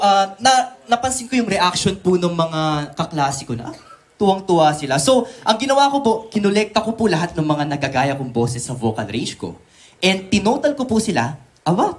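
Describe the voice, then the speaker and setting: A young voice artist from the Philippines, politely and eagerly answering questions as a guest on a morning TV show. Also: male voice, fairly high pitch. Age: young adult. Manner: polite, eager, talks with many respectful "po".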